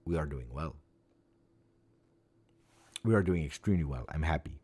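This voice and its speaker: A man's voice: very deep voice, lively intonation, moderate pace, a little mellow, husky. A man in his forties speaking English as a non-native language, hosting a casual live chat with viewers, rambling and repeating himself in an earnest way. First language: not English. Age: 40s. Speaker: fan channel host.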